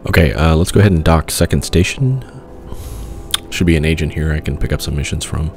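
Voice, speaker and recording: A man's voice: extremely low pitch, brisk, soft background music. A man with a cold hosting a casual video game playthrough, rambling easygoing talk with lots of filler. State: stuffed up with a cold. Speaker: let's play host. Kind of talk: casual gameplay commentary.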